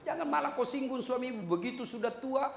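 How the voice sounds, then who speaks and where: A man's voice: very high-pitched, quick pace, creaky. A middle-aged man giving a humorous Islamic sermon to a congregation, theatrical and playful, breaking into snatches of song. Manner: lively, theatrical, sings snatches of songs. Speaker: Islamic preacher. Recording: echoey hall with faint ambient noise.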